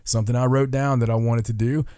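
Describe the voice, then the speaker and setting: A man's voice: mid-range voice, little pitch movement, quick pace, warm tone, clean tone, dry recording, studio quality. A man hosting a podcast in casual, rambling, jokey chat, full of enthusiasm. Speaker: podcast host.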